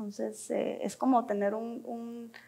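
A woman speaks at a very slow pace in a fairly high pitch, with a quiet background behind her. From Guatemala. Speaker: entrepreneur, healthy food business founder; guest. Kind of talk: talk to an audience. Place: hall. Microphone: headset.

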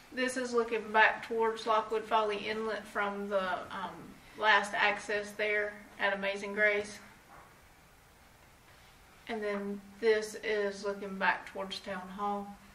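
Against light background noise and audible room echo, a woman talks at a very slow pace in a monotone, flat intonation, with long, frequent pauses. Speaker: town staff reporting to board. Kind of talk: meeting report. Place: meeting room.

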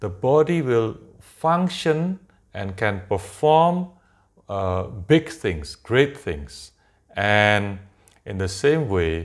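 Against a quiet background, a man speaks very slowly at a fairly low pitch, with very wide pitch swings. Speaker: pastor. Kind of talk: sermon. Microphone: lapel.

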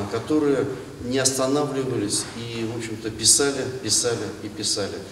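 Moderately paced male speech with audible room echo and light background noise. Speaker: filmmaker and ethnic association leader. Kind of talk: public speech. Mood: proud, earnest. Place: hall.

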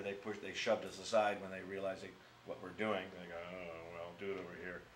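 An American accent amid audible room echo and noticeable background noise. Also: man. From US Midwest, East Cleveland, Ohio. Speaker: comedian and mime performer. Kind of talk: interview in front of a live audience. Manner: animated.

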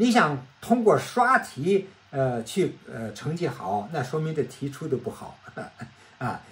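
The speaker talks at a fairly slow pace, with very wide swings in pitch. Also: man. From China. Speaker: online commentator. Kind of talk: monologue commentary. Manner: halting, many fillers. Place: home room. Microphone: phone near.

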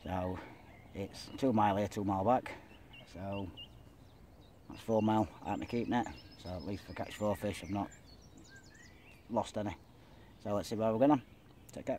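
A man with a fairly low pitch speaks at a moderate pace, leaving long, frequent pauses. His pitch varies in an ordinary way, and light background noise can be heard. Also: dry sound with no echo. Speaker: angler vlogger. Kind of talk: casual vlog chat. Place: waterside. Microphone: phone near.

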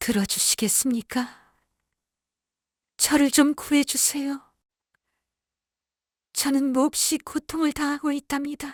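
In a put-on character voice, a female-sounding speaker talks at a high pitch and a fairly slow pace with long, frequent pauses. The voice is shaky, and the recording is very clean with a silent background.

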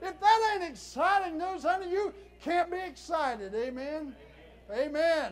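Man shouting at an extremely high pitch, fairly slow, with lively intonation. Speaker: guest preacher. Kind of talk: fiery revival sermon with call-and-response amens. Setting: church. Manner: impassioned, building to shouted exhortations; folksy, repetitive, stammering restarts. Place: church.

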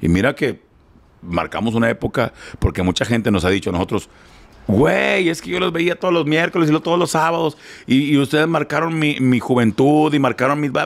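A fairly high male voice with lively intonation at a fairly quick pace. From northeastern Mexico (Monterrey, Tamaulipas); northeastern Mexico. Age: 50s. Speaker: radio announcer. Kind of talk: casual interview chat. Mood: relaxed, joking, casual slang. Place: studio. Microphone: studio mic.

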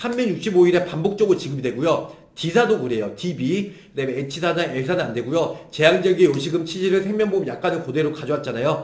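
A man speaks loudly. His pitch is fairly high. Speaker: insurance agent and video host. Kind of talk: product explainer tutorial. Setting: office, late night.

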